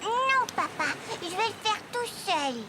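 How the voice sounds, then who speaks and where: A woman's voice: extremely high pitch, expressive, unhurried, very noisy. A woman voicing an eager, persistent little preschool boy in a children's cartoon, with simple childlike phrasing. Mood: determined.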